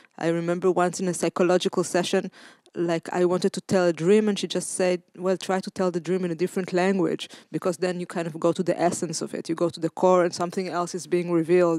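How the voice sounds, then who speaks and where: Talking at a very fast pace, a woman has a fairly low pitch, a dark, mellow tone and monotone, flat intonation, with a dry, close sound with no echo. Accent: Israeli. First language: Hebrew. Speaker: theatre director and playwright. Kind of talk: panel discussion.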